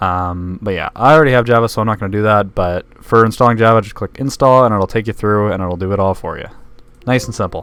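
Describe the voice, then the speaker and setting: Very fast and fairly low-pitched, a man speaks with ordinary pitch variation. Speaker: gaming tutorial youtuber. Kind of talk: screen-recorded tutorial. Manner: casual with many fillers.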